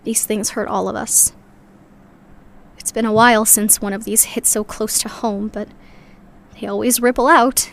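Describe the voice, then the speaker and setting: A young woman from a sci-fi underground community, weary but loyal to her people. Her voice sits on the high side. She talks reflectively and earnestly, as in an audio drama monologue. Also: flat delivery, moderate pace, gravelly, pauses often, fairly bright tone, slight background noise. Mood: sad, earnest.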